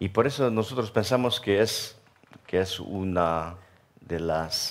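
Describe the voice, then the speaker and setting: Speaking very slowly with a French accent, a man uses ordinary pitch variation. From French Basque Country. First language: French (speaking Spanish). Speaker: tech sales manager. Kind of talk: conference talk. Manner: halting, many fillers and repetitions. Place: stage.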